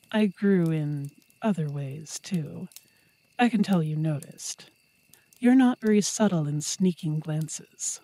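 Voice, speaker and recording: Casting: woman to play a bold, teasing werewolf girlfriend for audio roleplay, dark mellow tone, slow and unhurried. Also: fairly low pitch, dry recording, voice pushed down.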